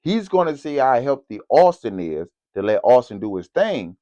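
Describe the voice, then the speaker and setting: A man giving casual, slangy basketball commentary as a vlogger, in an animated, direct way. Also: medium pitch, normal speed, no room sound. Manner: animated, slangy, talks straight to camera. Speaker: sports vlogger. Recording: dull, lo-fi, dry recording.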